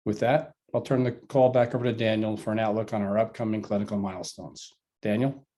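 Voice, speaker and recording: A man with a dark, mellow voice delivers a scripted financial report. He is formal and methodical, reading out figures in the manner of a finance executive on an earnings call. His pitch sits a little low. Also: steady tone, a little fast.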